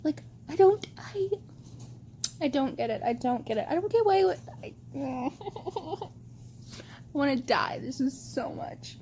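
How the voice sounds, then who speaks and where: A woman book vlogger chatting casually to camera at home, animated and overdramatic, with lots of "like". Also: high-pitched, a little slow, long pauses, a little hiss or hum. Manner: animated and overdramatic, heavy use of "like". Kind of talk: casual vlog chat to camera.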